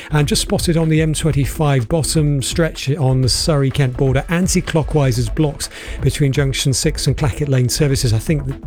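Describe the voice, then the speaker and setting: A man reading a live radio travel bulletin, brisk and unscripted, with frequent fillers and quick self-corrections. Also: medium pitch, a little mellow. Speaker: travel news presenter.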